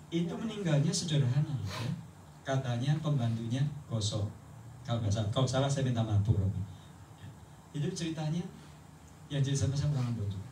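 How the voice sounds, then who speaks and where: Humorous pastor preaching in an echoey church. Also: male voice, medium pitch, warm tone, recorded from a distance, slight background noise. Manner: chatty, humorous preaching, mixing in English phrases. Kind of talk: sermon. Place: church sanctuary.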